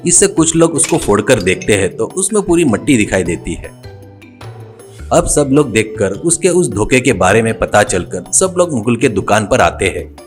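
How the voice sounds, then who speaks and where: A man narrating a cartoon story in a plain, steady storytelling manner. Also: on the low side, normal speed, faint music behind.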